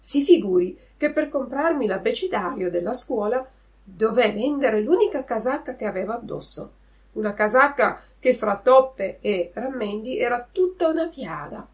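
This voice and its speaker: Woman voicing a wooden puppet boy, naive, boastful, eager, raised pitch, storybook reading. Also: expressive, moderate pace.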